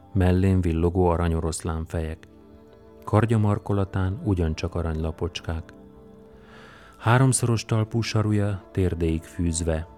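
A man narrating an audiobook in a measured, even manner. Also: deep voice. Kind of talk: scripted narration.

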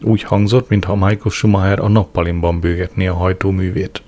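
A man reading a comic diary aloud as an audiobook narrator, with a dry, deadpan delivery. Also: low-pitched.

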